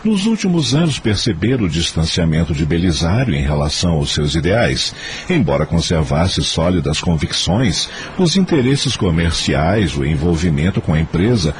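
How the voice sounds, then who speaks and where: A man's voice: low-pitched, very animated, moderate pace, slight background noise. A Brazilian man narrating a radio drama in a scripted storytelling style.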